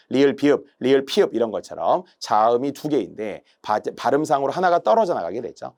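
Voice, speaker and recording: A man's voice: medium pitch, a little mellow. A middle-aged man, a language instructor, giving an emphatic exam-prep lecture and stretching out his examples.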